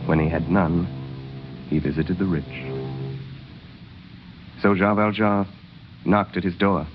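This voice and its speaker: A man narrating a radio drama in a measured storytelling way, on a muffled old broadcast. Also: on the low side. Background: music.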